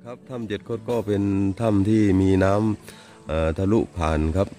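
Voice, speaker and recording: A man with a very low voice explains a cave to a visitor, hesitating and filling pauses as he goes. He agrees readily and talks outdoors by a stream. Faint music plays underneath. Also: warm tone. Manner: hesitant, many fillers, agreeable. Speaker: local cave guide.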